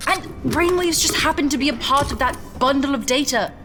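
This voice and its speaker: An actress as a dry, high-voiced scientist. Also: female voice, a little fast, close to an everyday voice. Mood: dismissive. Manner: dry, exasperated, matter-of-fact. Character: proud, skeptical female scientist, stubborn and dry. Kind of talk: science fiction audio drama acting.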